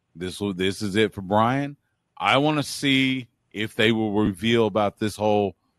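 A man with a plain, everyday voice, fairly low pitch and ordinary pitch variation at a moderate pace, in a dry, close sound with no echo and a quiet background. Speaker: wrestling podcaster. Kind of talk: casual wrestling discussion.

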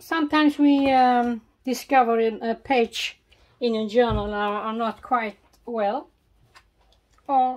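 At a very slow pace, a woman with a high pitch talks in fairly even intonation. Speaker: craft vlogger. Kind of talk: tutorial.

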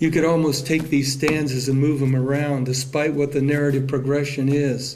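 A man with an American accent, dark, mellow and solemn in tone, in a flat monotone. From US West Coast, California. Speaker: poet. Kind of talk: poetry reading to audience, interspersed with brief intro remarks. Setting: stage with live audience. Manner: measured, solemn, deliberate reading. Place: hall. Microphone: podium.

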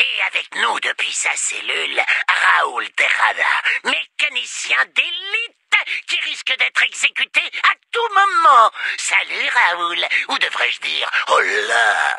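An extremely high-pitched, put-on character voice. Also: fairly slow pace. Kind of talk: radio announcer. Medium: audio drama. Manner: upbeat, eager.

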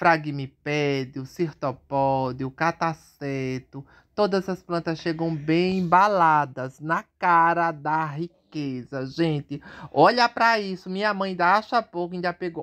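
Against a quiet background, a woman with a fairly low pitch speaks at a very slow pace with ordinary pitch variation. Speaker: orchid seller. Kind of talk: sales pitch. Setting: shipping depot, filming boxes. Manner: repeatedly urges buyers to look and call the number. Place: home room. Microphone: phone near.

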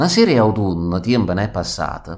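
This man speaks with a Neapolitan accent and some vocal fry, on a very clean recording with a silent background. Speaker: stage actor. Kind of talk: poetry reading.

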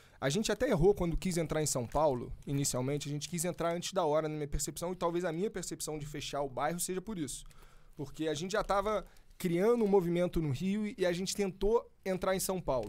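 High-pitched male speech, very rapid, its pitch varying in an ordinary way. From Brazil, Rio de Janeiro. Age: 30s. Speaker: entrepreneur. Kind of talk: casual chat.

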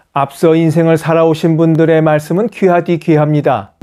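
The man has a dark, mellow tone and talks at a moderate pace. The background is quiet. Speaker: channel host. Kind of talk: motivational talk to camera. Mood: calm, earnest. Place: office. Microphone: lapel.

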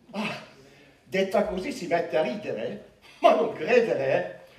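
A man keeps a moderate pace, his voice carrying audible room echo. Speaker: stage actor. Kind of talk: theatrical monologue. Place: stage.

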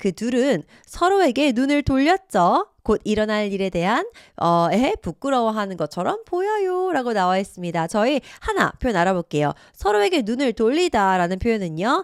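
A woman speaks at a fairly high pitch and a moderate pace, her pitch swinging very widely while her loudness stays very even, in a dry, close sound with no echo on a very clean recording with a silent background. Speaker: English teacher. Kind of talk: tutorial; reading aloud.

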